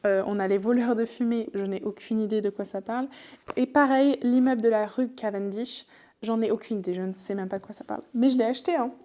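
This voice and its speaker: A woman's voice: a little high, warm tone. A young woman chatting casually to camera as a book vlogger, chatty and self-mocking.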